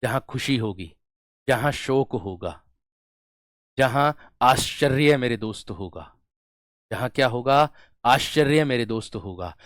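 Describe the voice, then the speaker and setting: A man teaching a Hindi class, slowly repeating words, addressing students as friends, while running a fever. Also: medium pitch, animated, fairly bright tone, dry recording, studio quality. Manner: slow, drawn-out repetition of words. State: has a fever. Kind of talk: online class lecture.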